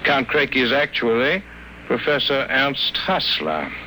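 Sinister male sanatorium doctor, clinical and menacing, very forceful edge, 1950s radio sound with slight hiss. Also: medium pitch, measured pace, exaggerated voice. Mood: smug, clinical. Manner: calm, clinical, coolly threatening. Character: cold, smoothly menacing sanatorium doctor conducting cruel experiments. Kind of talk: 1950s radio drama acting. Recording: noisy old 1950 radio broadcast.

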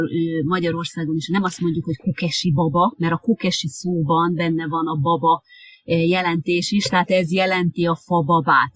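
An interviewer in a relaxed conversation who talks thoughtfully, with frequent filler sounds and restarts. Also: medium pitch, no echo. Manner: hesitant, many filler sounds. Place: lives in Japan.

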